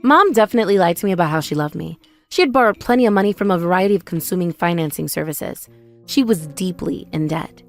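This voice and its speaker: Woman storyteller, scripted first person drama narration, really animated, music in background. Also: lowish voice, quick pace.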